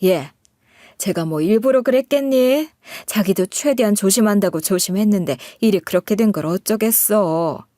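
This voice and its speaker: A woman voicing a sharp-tongued older mother-in-law who talks in a scolding, condescending way. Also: medium pitch, normal speed, no room sound, studio quality, natural voice.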